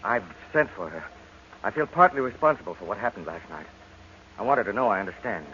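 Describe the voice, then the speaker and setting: Male gentle, forgiving husband: slightly deep voice, earnest reassurance, dull hissy vintage radio recording. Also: animated, quick pace. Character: soft-hearted, forgiving young husband, recovering from a wound. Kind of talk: old-time radio drama acting.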